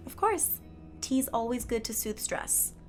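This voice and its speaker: A woman playing a gentle, perceptive water nymph who works as a nurse in an audio drama, soothing and conversational. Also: on the high side, lively intonation, measured pace, soft background music. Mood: gentle, sympathetic. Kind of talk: naturalistic audio drama acting.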